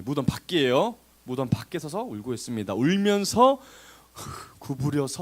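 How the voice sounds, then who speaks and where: A man preaching an animated sermon at a church service, peppering the congregation with rhetorical questions. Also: mid-range voice. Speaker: youth pastor.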